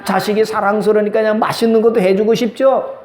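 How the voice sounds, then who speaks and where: Male pastor, middle-aged, high-pitched lively preaching voice, call-and-response sermon in an echoey church hall. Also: fast. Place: church sanctuary.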